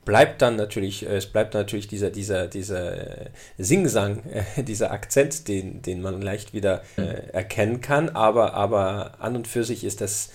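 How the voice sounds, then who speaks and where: Low-voiced man explaining with hesitations. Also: normal speed, few pauses. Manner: explanatory, hesitant, repeats words. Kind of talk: explanatory conversation.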